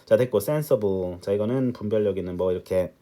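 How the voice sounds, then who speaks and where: A man's voice: fairly low pitch, brisk, warm tone. A man teaching an English test-prep lecture in a chatty style, asking rhetorical questions and joking aside with his students. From Korea. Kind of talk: recorded online lecture.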